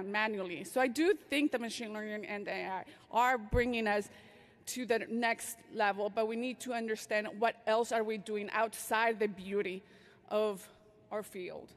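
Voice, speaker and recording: A fairly high-voiced woman from Mexico speaks from a podium microphone at a conference, her voice trailing into the long reverb of a large hall. She talks in a hesitant way, filling pauses with "um" and restarting her words. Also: a bit bright. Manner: hesitant, many fillers and restarts. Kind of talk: conference talk.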